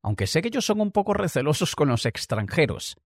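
A man's voice: on the high side, big pitch swings, fairly quick, no room sound, studio quality. A man giving a conversational, reflective motivational talk and drawing on personal examples. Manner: occasional light laughs. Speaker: motivational speaker. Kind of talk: motivational monologue.

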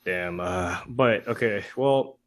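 A man's voice: lowish voice, slow. A man whose first language is Korean, speaking earnestly as an author being interviewed, with many filler words. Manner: earnest, full of "you know" and "like" fillers. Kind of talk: casual conversational interview.

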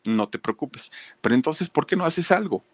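A man voicing a kind older sister who gently coaxes her little brother. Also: fairly high pitch, lively intonation, normal speed, no echo, pitched above the performer's own voice. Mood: coaxing. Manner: coaxing, gently persuasive. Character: kind older sister, young woman, reasonable.

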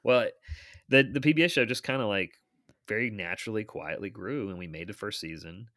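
A middle-aged man telling stories in a casual interview, animated and laughing often. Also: lowish voice, a little fast. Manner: animated, laughs often, acts out quoted voices. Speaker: TV producer and guest.

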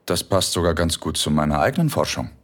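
Male actor: middle-aged professor tutoring, very low voice, easygoing and wry, unhurried. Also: big pitch swings, full character voice. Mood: curious. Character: relaxed, self-mocking male philosophy professor. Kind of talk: erotic audio drama acting.

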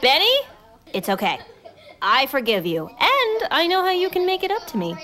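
Cartoonish pet dog: woman doing a high, bouncy, overdramatic schemer. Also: normal speed, full character voice. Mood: excited. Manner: excitable, dramatic, to-camera asides. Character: scheming, popcorn-crazed female pet dog.

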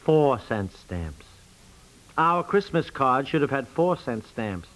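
An actor playing a flustered, exasperated suburban husband who sputters and repeats himself, in 1950s radio comedy style. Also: male voice, medium pitch, very animated, slow, a bit bright, rough recording. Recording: vintage 1950s radio recording.

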